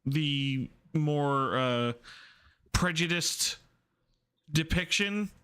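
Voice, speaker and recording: A man hosting a casual live stream, talking in a slow, unhurried way. His voice is bright, crisp and a touch higher than usual for a man. He hedges constantly, filling gaps with "like" and "uh". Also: animated. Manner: hesitant, filler-heavy, self-deprecating laughs. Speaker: streamer and game developer.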